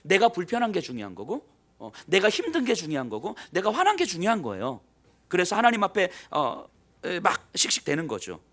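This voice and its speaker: A male pastor delivers a sermon as lively, conversational storytelling, often turning to ask his listeners questions. His voice sits high and swings broadly in pitch. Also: a little fast.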